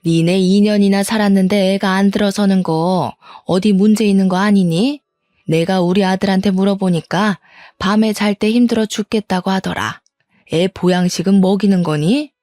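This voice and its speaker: A woman's voice: medium pitch, fairly even intonation, moderate pace, warm tone, dry recording, soft background music, natural voice. A woman voicing a meddling, overbearing older mother-in-law who nags and presumes in a told story. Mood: nagging. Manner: nagging, presumptuous.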